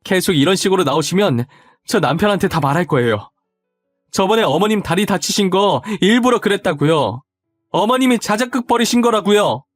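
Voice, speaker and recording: A man's voice: high-pitched, animated, fairly quick, dry recording, studio quality, soft background music, voice pushed up. A man voicing a desperate young wife who pleads and insists in a raised, strained voice. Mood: pleading.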